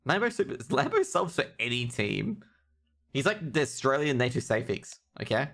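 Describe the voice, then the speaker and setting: A man with a mid-range, slightly bright voice gives very animated, casual, jokey live commentary on an esports match at a moderate pace. He banters informally with his viewers in chat. Background noise and clicks are clearly audible.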